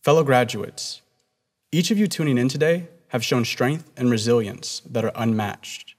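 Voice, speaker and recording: A man's voice: medium pitch, normal speed. A young man, the student body president, delivering an earnest, prepared commencement speech at a podium on stage. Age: young adult. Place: stage with podium and red curtains. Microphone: podium mic. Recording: long hall reverb.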